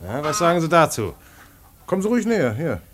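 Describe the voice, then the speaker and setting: A man's voice: fairly high pitch, very animated, fast, background noise. An actor playing a streetwise male black-market trader who talks colloquially and confides his own story in a radio play. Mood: coaxing. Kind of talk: radio play dialogue and first-person narration.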